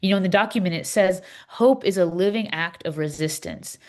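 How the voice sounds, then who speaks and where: Woman reading as an earnest, low-pitched Palestinian Christian woman. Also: a little mellow, close to an everyday voice. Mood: earnest, devout. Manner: earnest, deliberate, emphatic. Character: earnest, impassioned Palestinian Christian woman explaining her cause. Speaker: reader in a readers theater dialogue. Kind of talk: scripted dialogue read as measured conversation.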